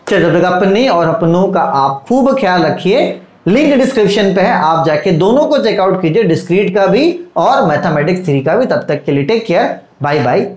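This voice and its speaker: A man's voice: sits high, animated, normal speed, a little mellow. Male online tutor, casual and reassuring, repeats key points, echoey room. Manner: reassuring, repeats points, calls students "beta". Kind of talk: casual course introduction. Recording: roomy echo.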